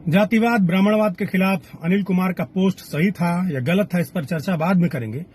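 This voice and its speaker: A man's voice: sits high, brisk, a little mellow, breathy edge. A man delivering spoken news commentary, argumentative and fond of rhetorical questions. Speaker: reporter and commentator.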